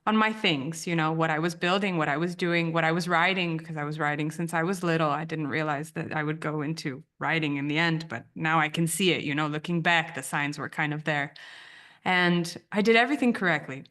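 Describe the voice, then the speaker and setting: Speaking briskly in a low, fairly bright voice, a Romanian-born woman in her thirties who grew up in the US reflects on her story as a podcast guest. A branding editor, she frequently restarts her phrases.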